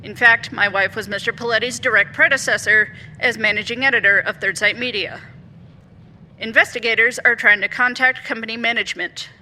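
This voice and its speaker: An actress playing an earnest woman politician in an audio drama, speaking in a formal, measured, deliberate way. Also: a little high, bright, forceful tone. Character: measured, earnest woman mayoral candidate giving official statements.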